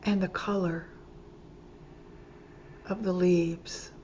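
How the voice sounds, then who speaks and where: A woman teaching yoga nidra, leading a guided meditation calmly and gently, in short phrases with pauses between them. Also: lowish voice. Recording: dull lo-fi sound with clear background noise.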